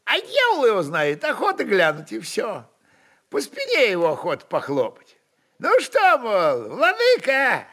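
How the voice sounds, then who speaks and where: Old Cossack man, high lively voice, rustic dialect, wistful, mischievous, stubborn, audiobook drama. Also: a little slow, heavily acted. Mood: playful, excited. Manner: rustic folksy dialect speech. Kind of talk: dramatized literary reading.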